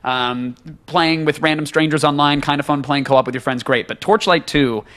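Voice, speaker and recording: A podcast host chats casually and ramblingly, restarting sentences and breaking into bursts of laughter. His voice is a little high and a bit bright, at a moderate pace.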